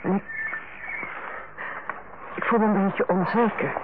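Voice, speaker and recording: An actress playing a stern, lonely older head nurse in a Dutch radio play, formal and reserved in manner. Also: female voice, medium pitch, fairly even intonation, unhurried, natural voice. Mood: hesitant, moved. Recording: tinny, band-limited old radio recording, faint noise.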